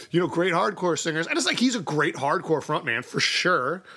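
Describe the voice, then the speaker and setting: Against noticeable background noise, a man with an American accent talks fairly quickly. His tone is animated and his pitch high. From Chicago, US Midwest. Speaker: punk musician. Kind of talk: casual chat.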